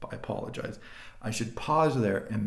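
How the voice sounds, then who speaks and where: Audible room echo surrounds a man speaking at a medium pitch with vocal fry. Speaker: philosophy lecturer. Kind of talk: lecture. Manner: animated.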